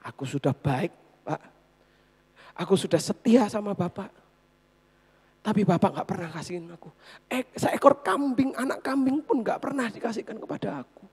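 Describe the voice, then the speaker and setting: A woman's voice: mid-range voice, animated, normal speed, pauses often, a little mellow, breathy edge, long reverb tail. A woman voicing a bitter, aggrieved elder son. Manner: aggrieved, complaining. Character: resentful elder son complaining to his father.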